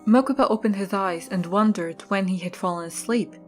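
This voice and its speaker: A woman narrator reads scripted story prose for an audio drama. Her voice sits at a medium pitch, with faint music playing underneath. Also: a little fast.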